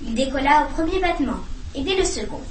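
A woman reading a children's storybook aloud with expressive, animated narration. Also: high voice, fast talker. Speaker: reader. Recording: roomy echo, distant mic, faint hum.

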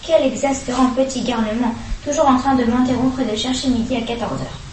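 A woman reading a children's storybook aloud, lively and expressive. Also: on the high side, fairly quick, roomy sound, recorded from a distance, a little hiss or hum, poor audio. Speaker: reader.

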